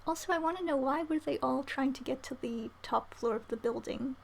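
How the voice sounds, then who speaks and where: High-voiced woman streaming games. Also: a little fast, vocal fry. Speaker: game streamer. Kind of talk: casual live game commentary. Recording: faint background noise.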